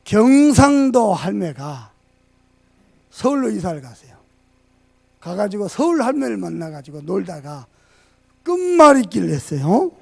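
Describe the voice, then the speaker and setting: High-pitched gravelly male pastor preaching. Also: sing-song, measured pace, pauses often. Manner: fervent preaching, swinging from shouts to quiet asides. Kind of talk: sermon. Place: church sanctuary.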